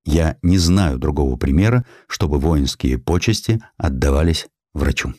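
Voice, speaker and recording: A man narrating a historical story as an audiobook, in a measured, expressive, solemn and dramatic manner. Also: rumbling low, dry recording, clean studio sound. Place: dry studio.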